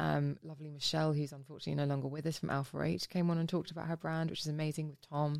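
Over a very clean recording with a silent background, a woman with a southern English accent speaks very fast in a very deep, low voice with a dark, mellow tone. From England, Kent. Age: 40s. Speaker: beauty journalist and podcaster. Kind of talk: casual chat.

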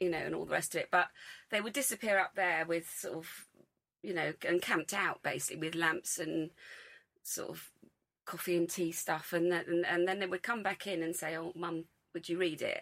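A woman talks at a fairly quick pace in a fairly low voice. Hers is a plain, everyday voice, with fairly even intonation. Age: 60s. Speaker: podcast guest, parent. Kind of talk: casual chat.

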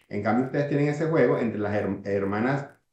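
A man speaks at a fairly quick pace in a normal speaking voice, his medium pitch carried by lively intonation. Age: middle-aged. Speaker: health coach and nutrition scientist. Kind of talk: interview conversation.

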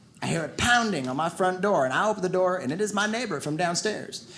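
Against noticeable background noise, a man with a high pitch speaks at a very fast pace with lively intonation. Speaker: comedian. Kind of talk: stand-up. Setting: stage with audience. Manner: laid-back, chummy crowd work.

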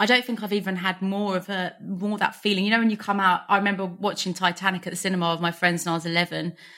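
Speaking with a British accent, a woman races along at a very fast pace with hardly any pauses. Her medium-pitched voice has a bright, sharp tone and monotone, flat intonation. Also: very clean recording, silent background. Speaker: author and mental health advocate. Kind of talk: casual chat.

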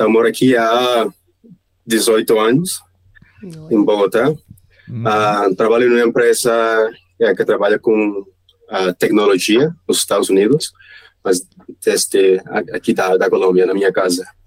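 A man with a Spanish accent speaks at medium pitch with ordinary pitch variation and very even loudness. His pace is fairly slow with long, frequent pauses, and the sound is dry and close with no echo. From Colombia, Santa Marta. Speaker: listener and language learner. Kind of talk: casual chat. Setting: video call. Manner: halting.

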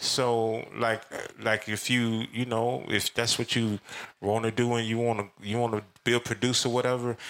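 A man speaks in a flat monotone with a Miami accent. His loudness stays very even throughout. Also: medium pitch for a man, moderate pace. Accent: Miami urban American English. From Miami, Florida. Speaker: music producer. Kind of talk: casual interview. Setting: live venue with audience.

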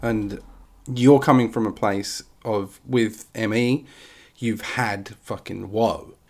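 In a very clean recording with a silent background, a man talks at a very slow pace with fairly even intonation. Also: medium pitch for a man. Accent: English. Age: 40s. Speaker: podcast host. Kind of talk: casual chat.

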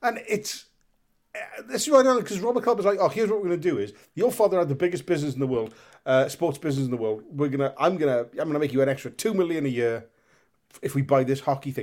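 A man's very fast, fairly high voice in a Welsh accent, with very wide pitch swings, on a very clean recording with a silent background. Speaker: comedian. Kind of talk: casual chat.

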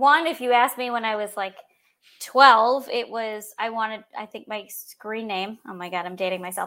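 Speaking at a moderate pace with an American accent, a woman with a fairly high pitch uses a bright, sharp tone and lively intonation, her loudness swinging widely on a very clean recording with a silent background. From New York, Long Island. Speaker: career coach. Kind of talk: casual interview.

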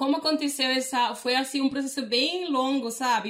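A woman talks with a Spanish accent at a moderate pace. Her high pitch shows ordinary pitch variation. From Dominican Republic, Santo Domingo. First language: Spanish (speaking Portuguese). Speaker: former exchange student and language learner. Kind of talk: casual interview.

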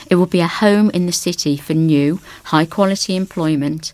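Fairly even intonation marks this woman's voice. She talks at a moderate pace. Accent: English. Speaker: volunteer newsreader. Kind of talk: reading aloud. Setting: studio.

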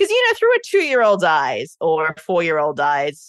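A woman's fairly low, animated voice with lively intonation at a fairly quick pace, dry and close with no echo. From Australia (Melbourne), born in Sri Lanka. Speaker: podcast producer and entrepreneur. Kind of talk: casual interview chat. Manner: animated, laughs often.

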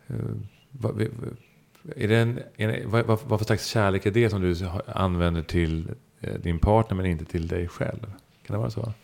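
With long, frequent pauses, a man talks at a moderate pace in a fairly low pitch with ordinary pitch variation. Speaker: podcast co-host. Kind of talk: casual chat. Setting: at home.

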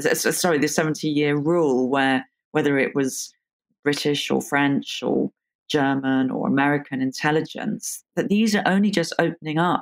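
In a southern English accent, a woman with a very deep, low voice speaks at a moderate pace with lively intonation. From London. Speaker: author and fashion historian. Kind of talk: interview.

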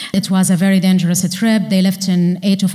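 Noticeable background noise is present. The intonation is fairly even. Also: woman. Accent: Arabic. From Syria. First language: Arabic. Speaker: panelist with refugee family. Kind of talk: live panel discussion.

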